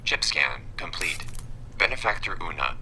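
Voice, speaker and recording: A man's voice: deep voice, sing-song, moderate pace, background noise. A man voicing an impassive automated security checkpoint in an audio drama, making clipped, formulaic announcements.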